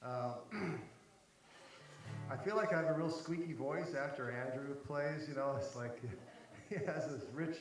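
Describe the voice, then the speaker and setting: Male singer-songwriter, slow, soft-spoken stage banter, boomy live room with guitar behind. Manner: quiet, halting, self-deprecating. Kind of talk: casual stage banter between songs. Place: live benefit concert venue. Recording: echoey live room with music.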